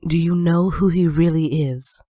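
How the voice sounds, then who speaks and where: A woman's voice: low-pitched, unhurried, dark tone, breathy edge, no room sound, studio quality. A woman playing a cynical, world-weary young former villain turned hero, wry and cool, in an amateur audio drama. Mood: wistful, jaded.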